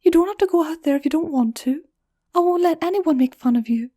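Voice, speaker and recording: A woman voicing a gentle, motherly mare pony in a storybook reading. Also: very high voice, lively intonation, a little fast, dry recording, clean studio sound, pitched above the performer's own voice. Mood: tender. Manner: soft, soothing.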